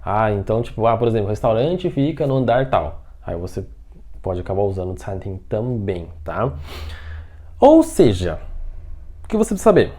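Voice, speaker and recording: Mellow-voiced man teaching a lesson. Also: fairly low pitch, very animated. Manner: patient, repeats words slowly and checks in often. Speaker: Mandarin teacher. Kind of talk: online language lesson.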